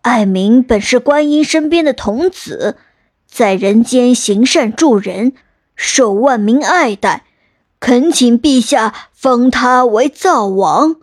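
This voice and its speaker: Lady putting on a deep-ish courtly underworld king, slow and formal, dry close sound. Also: animated, dry recording. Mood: solemn. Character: pompous solemn male king of the underworld, courtly.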